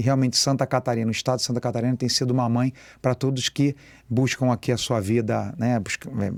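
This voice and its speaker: A man with a Rio de Janeiro accent at medium pitch, fairly quick and fairly even in intonation, dry and close without echo, on a very clean recording with a silent background. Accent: carioca. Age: 40s. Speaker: political candidate. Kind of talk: radio interview.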